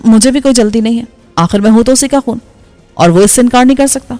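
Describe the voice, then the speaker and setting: A woman voicing a bold, forward young woman who talks quickly and frankly. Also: on the high side, dark tone, big-room sound, soft background music, lightly acted.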